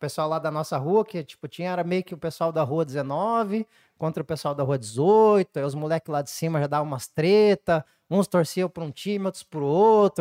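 A man's high voice with ordinary pitch variation at a fairly quick pace, dry and close with no echo. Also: very clean recording, silent background. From Brazil, Curitiba. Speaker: sushi chef and footvolley player. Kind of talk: casual chat.

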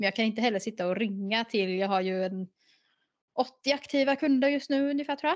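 At a fairly quick pace, a woman talks in an ordinary speaking voice, fairly high in pitch with lively intonation, over a quiet background. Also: very even loudness. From Småland, Sweden (near Halland border). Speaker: accountant, business owner. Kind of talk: casual interview.

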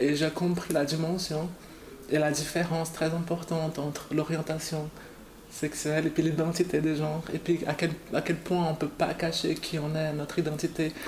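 At a fairly slow pace, a woman speaks at a very deep, low pitch with monotone, flat intonation. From Brazil. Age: 30s. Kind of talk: interview. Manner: halting, with many repetitions.

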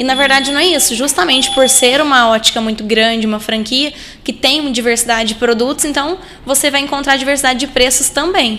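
Raising and projecting her high voice, a woman speaks at a fairly quick pace with ordinary pitch variation amid noticeable background noise. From southern Minas Gerais, Brazil (Itajubá). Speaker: optical store manager. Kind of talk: casual interview.

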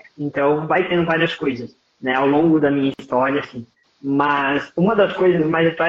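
This is a plain, everyday voice at a moderate pace with fairly even intonation. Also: man. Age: 20s. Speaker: psychotherapist and hypnotherapy teacher. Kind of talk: interview.

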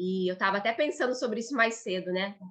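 The speaker is a woman with a medium pitch. Her tone is bright and sharp. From Brazil, Curitiba. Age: 30s. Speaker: network marketing entrepreneur. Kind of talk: motivational talk.

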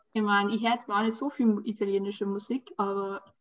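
The speaker has a Salzburg accent and a somewhat breathy sound. The pace is fairly quick. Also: woman. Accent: Salzburg Austrian German. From Austria, Salzburg region (rural village). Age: 20s. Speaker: student. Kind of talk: casual chat.

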